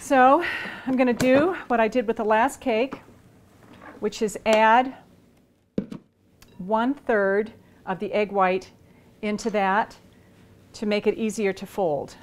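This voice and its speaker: A woman's voice: a little high, slow pace, long pauses, slight background noise. A woman in her sixties hosting a cooking demonstration in a large home kitchen, chatting casually as she works with her hands. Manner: relaxed and chatty, talking while working with her hands. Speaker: cooking show host.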